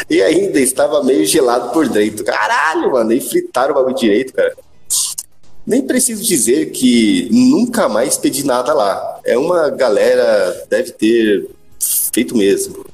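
A podcast host with a Brazilian Portuguese accent speaks in a mid-range voice with a roomy sound. He's an animated storyteller whose casual chat is packed with slang and frequent swearing.

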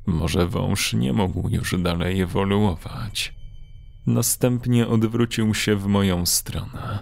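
A man narrating a horror story in a slow, grave, dramatic way. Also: fairly low pitch, gravelly.

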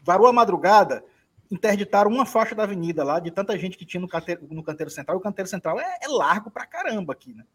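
High, husky man. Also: sing-song, fast talker. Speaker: co-host. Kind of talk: casual storytelling chat.

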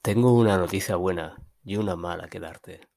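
A man playing a grave, ominous caller who delivers gloomy news in a deadpan, dramatic way. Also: deep voice, moderate pace, dry recording.

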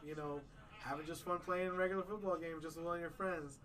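A man hosts a casual podcast in a loose, rambling way, tossing in filler words as he goes. His voice sits a little high for a man. He is set back somewhat from the microphone, so the sound is a touch distant. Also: steady tone, fast talker, bright, forceful tone. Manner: laid-back, rambling, peppers speech with "man" and "you know". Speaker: podcast host.

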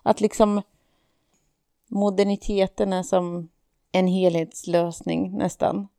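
A woman's voice: medium pitch, flat delivery, gravelly, mellow. A woman co-hosting a podcast, thinking aloud in a casual reflective discussion, hesitant with many fillers and restarts. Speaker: podcast co-host.

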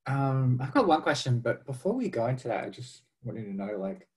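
A man's voice: medium pitch, sing-song, fairly quick, a little mellow. A man co-hosting a podcast, asking questions hesitantly and carefully with many fillers. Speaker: podcast co-host. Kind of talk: interview questions.

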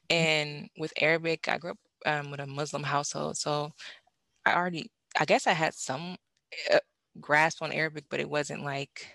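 Young woman chatting about languages, bright gravelly voice, lots of likes and um, laughs a bunch. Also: low voice, moderate pace, no room sound. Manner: animated, laughs often, many fillers. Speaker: guest language learner. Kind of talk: casual conversation.

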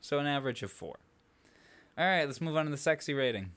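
A young man co-hosting a podcast, blunt and joking in casual chat, quick to tease his partner. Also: on the high side, expressive, a bit bright, slight background noise. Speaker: podcast co-host.

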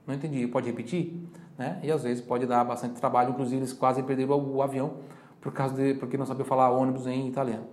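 A Brazilian man with a Brazilian Portuguese accent teaches Italian in a voice of middle pitch. He stretches each phrase out slowly and loudly so learners can repeat it, then talks quickly in his asides. The room has a noticeable echo. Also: monotone. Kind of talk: language lesson.

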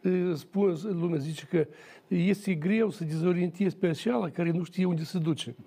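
High, gravelly man debating. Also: steady tone, mellow. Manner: measured, emphatic repetition. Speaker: talk show guest, former judge. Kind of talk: studio political debate.

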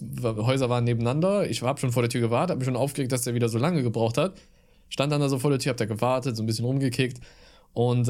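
A man's voice: medium pitch, darkish tone. A man from the Aachen area co-hosting a podcast, telling stories in a rambling, filler-heavy way. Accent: Aachen German. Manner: rambling storyteller, many fillers. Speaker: podcast co-host. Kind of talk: casual chat.

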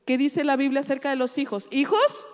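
A woman's voice: high voice, level tone, quick pace, in a large hall. A woman pastor giving a conversational sermon to her congregation, full of rhetorical questions. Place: church.

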